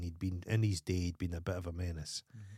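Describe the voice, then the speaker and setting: A man with a Scottish accent, somewhat breathy, with a dark, mellow tone and a very fast pace, in a dry, close sound with no echo. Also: very clean recording, silent background. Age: 40s. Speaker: podcast co-host. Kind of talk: casual chat. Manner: animated.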